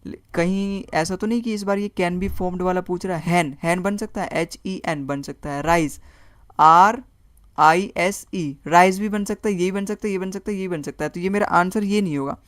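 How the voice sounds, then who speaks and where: A man's voice: high-pitched, brisk, hardly any pauses, no room sound, studio quality. A man teaching a reasoning lesson for exam prep. He works through each answer option aloud, repeating words and checking in with his students. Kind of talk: online exam-prep lesson, Hindi mixed with English.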